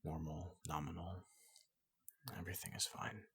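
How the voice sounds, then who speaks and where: A large, gentle robot doctor speaks in a very low, breathy murmur that often drops to a whisper. The delivery is even and halting, soothing a patient in ASMR roleplay style, close and soft. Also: dry recording. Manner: slow, halting, reassuring.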